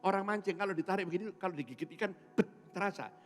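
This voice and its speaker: A man from Indonesia, a pastor giving a sermon testimony, telling his story with lively swings between loud and soft and acting out other people's voices. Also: high voice, racing.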